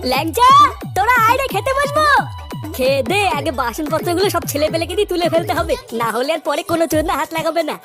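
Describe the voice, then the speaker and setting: A man's voice: extremely high pitch, expressive, quick pace, over loud music. A man voicing a rowdy, foul-mouthed young villager in a comic cartoon dub, bossy and casual. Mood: bossy, calling out.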